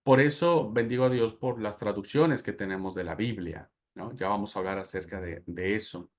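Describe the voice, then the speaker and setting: A man's voice: on the low side, normal speed. Mexican man teaching a Bible class. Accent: Mexican Spanish. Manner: animated storytelling with laughs and asides. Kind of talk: lecture to a class.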